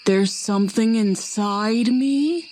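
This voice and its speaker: A woman voicing a laid-back, oblivious turtle doctor in a tabletop game, speaking in a slow, hesitant drawl. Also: on the high side, darkish tone, a little hiss or hum. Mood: spacey, mellow.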